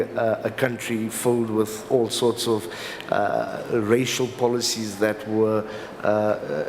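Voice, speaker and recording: A man with a South African accent giving an explanatory conference talk as a legal professional, in a halting, hesitant delivery with repeated words. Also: medium pitch. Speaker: company lawyer speaking as a summit panelist. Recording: reverberant hall with clear background noise.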